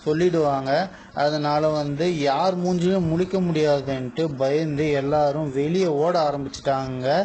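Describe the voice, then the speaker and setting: A man's voice: a little high, fairly even intonation, normal speed, mellow, low-quality recording. A man with a Tamil accent giving indignant, mocking news commentary in casual speech.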